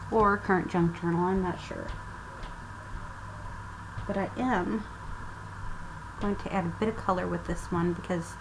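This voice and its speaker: A woman narrating a casual craft tutorial, thinking aloud as she works at a table at home, her voice sometimes turning away from the camera mic. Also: on the low side. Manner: slow, thinking aloud while working. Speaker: craft vlogger. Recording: audible background noise.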